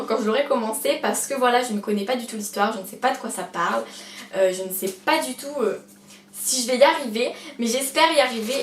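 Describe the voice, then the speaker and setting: A young woman chatting to camera about her bookshelf, hesitant and self-mocking, full of fillers. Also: fairly high pitch. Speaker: book vlogger. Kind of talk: casual chat to camera. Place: room at home beside her bookshelf. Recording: roomy echo, distant mic, faint hiss.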